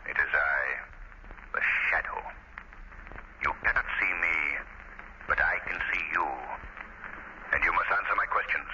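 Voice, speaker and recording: An actor playing a shrewd gentleman detective in 1930s radio style, urbane, deliberate and commanding. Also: sits low, heavily acted. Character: shrewd gentleman detective who poses as unseen avenger. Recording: noisy, dull 1930s radio recording.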